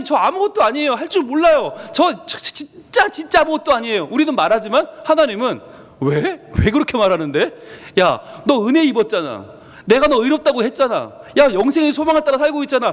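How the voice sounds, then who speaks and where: A male pastor with a Busan accent preaching a sermon, animated, asking the congregation questions and acting out voices in the story. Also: high-pitched, in a large hall. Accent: Busan Korean. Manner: animated, acts out voices of God and parents, asks the congregation questions. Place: church sanctuary.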